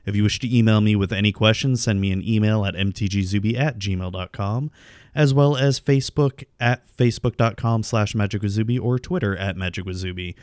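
Low-ish guy host chatting loosely, dry close mic, lots of ums. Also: fairly quick, a little mellow, clean tone, dry recording. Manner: rambling, filler-heavy, self-deprecating. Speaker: podcast host. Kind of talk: casual solo podcast chat.

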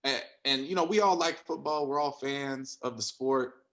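A man's voice: medium pitch, normal speed, fairly bright tone. A man giving opinionated, casual sports commentary in a blunt, exasperated way, with short emphatic phrases. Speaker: sports talk panelist.

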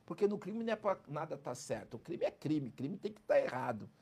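Man, husky voice, rapid speech, emphatic streetwise manner, casual interview. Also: fairly high pitch, big pitch swings, a little mellow. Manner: emphatic, streetwise, keeps adding "entendeu?" and "cara". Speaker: interview guest, former criminal turned prison speaker.

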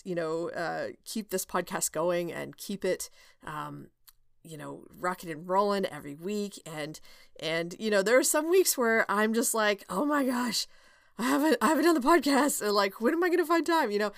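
A woman chats through her solo podcast, candid and loose, with plenty of fillers and quick laughs. Her voice sits in an ordinary middle pitch. The sound is dry and close, with no room around it. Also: creaky, no room sound. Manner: chatty and candid, many fillers and restarts, laughs often. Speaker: podcast host and OB/GYN. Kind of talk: casual solo podcast chat.

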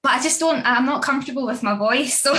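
A woman's voice: sits high, pushed and bright. A woman chatting casually in an interview, with many fillers and frequent laughs. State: pregnant. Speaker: dog grooming academy founder and author.

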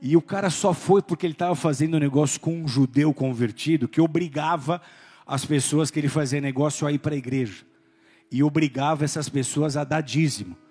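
A man's voice: fairly high pitch, fairly quick, slightly rough, faint music behind. A man, preaching a sermon as a pastor and telling stories animatedly, acting out the voices in them. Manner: animated storytelling, acting out voices, shouting at peaks.

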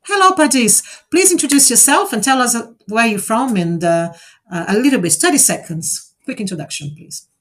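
A woman in her forties whose first language is Portuguese hosts a casual online group speaking exercise, explaining it encouragingly and often tagging sentences with "right?". Her voice is on the high side and a bit bright, with lively intonation at a normal speed.

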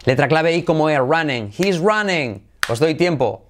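Slow-paced man drilling English phrases. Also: a little high, a little hiss or hum. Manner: drills phrases slowly, then repeats with lively intonation. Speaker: English teacher. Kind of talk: online English lesson.

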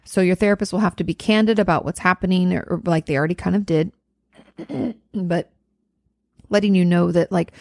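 Woman, advice host, gravelly voice, dry close sound, gentle and reflective, lots of fillers. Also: on the low side, fairly quick, no echo. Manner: gentle, reflective, therapy vocabulary with many fillers. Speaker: host answering viewer questions on mental health. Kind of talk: casual advice chat.

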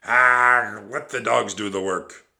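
A man's voice: on the low side, steady tone, slow, gravelly, sharp tone, pitched above the performer's own voice, exaggerated voice. A man voicing a cruel, bullying pirate captain in a storybook, growling and roaring in pirate dialect. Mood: gloating, contemptuous.

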